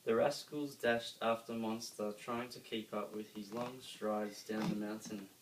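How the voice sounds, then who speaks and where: A man with an Australian accent reads a children's story aloud, dramatically, with emphatic pauses. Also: fairly low pitch, steady tone. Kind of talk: expressive children's story reading. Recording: roomy, distant mic, faint noise.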